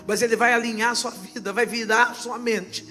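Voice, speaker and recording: A woman pastor preaching with fervor, her voice bright and forceful. She swings from quiet storytelling to shouted declarations. Soft music plays underneath. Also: fairly high pitch, steady tone, brisk. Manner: impassioned preaching that swells into shouts. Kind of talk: sermon.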